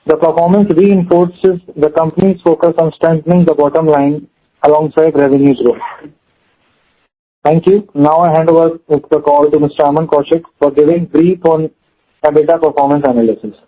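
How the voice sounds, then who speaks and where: An Indian man presents company results from a script in a formal way. His voice sits a little high for a man. The sound is slightly muffled and lo-fi, as on a conference call. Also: level tone, moderate pace. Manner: formal, reading out figures. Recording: dull, lo-fi conference call audio.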